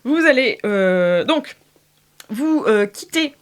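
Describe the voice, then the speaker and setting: A woman narrating an improvised tabletop role-playing game as game master, often pausing to search for her words. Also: on the high side, animated.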